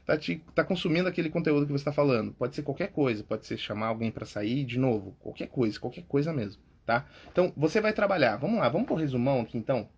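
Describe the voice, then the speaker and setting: Speaking fast and expressively with few pauses, a Brazilian man in a medium-pitched, slightly rough voice shares public speaking tips. He coaches and hosts a podcast, keeps things casual, and checks in often with "tá?" and "cara," in a Brazilian Portuguese accent.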